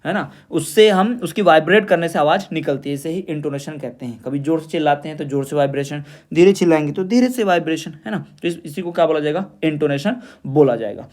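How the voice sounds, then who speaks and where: A man teaching an exam revision lesson. He explains in Hindi, reads definitions slowly in English, and asks and answers his own questions. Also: a little high, darkish tone.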